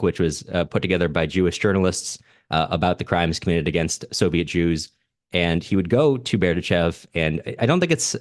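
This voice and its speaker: A man's voice: low-pitched, no echo, studio quality. A man hosting a podcast, explaining background to literature in an unscripted, self-correcting way. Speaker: podcast host.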